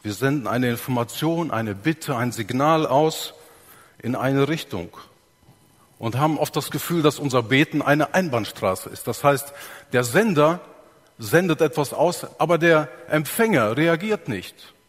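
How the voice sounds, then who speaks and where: A man's voice: medium pitch, lively intonation, a little slow. A man giving a sermon to his congregation, explaining things step by step, acting out examples and putting questions to his listeners. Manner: explains step by step, acts out examples, asks the audience. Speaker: preacher. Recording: reverberant hall.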